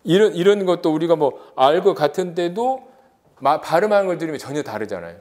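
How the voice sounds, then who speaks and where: Lively Korean lecturer, rhetorical questions. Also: male voice, a little high. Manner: lively, rhetorical questions, drawn-out vowel examples. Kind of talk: exam-prep lecture.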